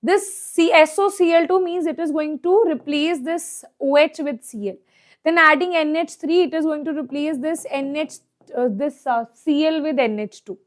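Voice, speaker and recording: South asian lady teacher, pretty high voice, walks thru exam questions, keeps asking if u get it. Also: normal speed. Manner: checks understanding often with short questions. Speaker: chemistry teacher. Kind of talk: exam problem lesson, explaining step by step.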